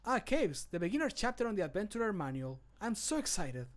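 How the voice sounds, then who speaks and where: A man's voice: high-pitched, sing-song, fairly quick, voice pushed up. A man voicing a spirited adventurer companion for video game lines, with a theatrical, sardonic delivery. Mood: mock excitement. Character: spirited adventurer companion exploring caves and battling.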